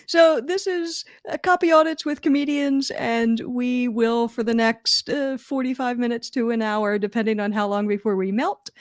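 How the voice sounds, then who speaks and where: A woman's voice: on the high side, fairly even intonation, moderate pace, hardly any pauses. A woman with a Philadelphia accent talks in a chatty, self-deprecating way and laughs easily. She co-hosts a casual livestream from her home office. The sound is close and dry, with no room echo. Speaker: co-host.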